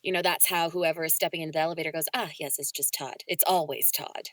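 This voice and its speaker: A woman's voice: low voice, fairly even intonation, quick pace, fairly bright tone, slight background noise. A woman voice actor talking reflectively about her acting work in an interview.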